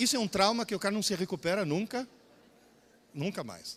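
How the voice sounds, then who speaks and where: Talking at a fairly quick pace, a man with a high pitch uses lively intonation and an animated tone. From Italy. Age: 60s. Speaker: teacher, motivational speaker. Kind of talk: lecture.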